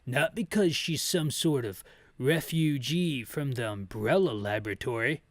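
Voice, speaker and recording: A man voicing an earnest, defensive action-game hero, reading the dialogue in a deliberate, emphatic way. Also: medium pitch, no echo, natural voice. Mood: explaining, defensive.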